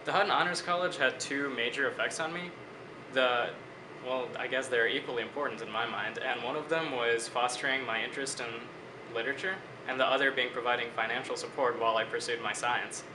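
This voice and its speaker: A man in his twenties from Bangladesh, a student answering interview questions in a measured, reflective way. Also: mid-range voice, steady tone, roomy sound, noisy background. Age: 20s.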